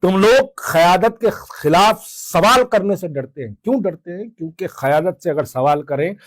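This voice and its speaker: A man's voice: high-pitched, moderate pace, dry recording. A man giving impassioned political commentary, fiery and sarcastic, full of rhetorical questions.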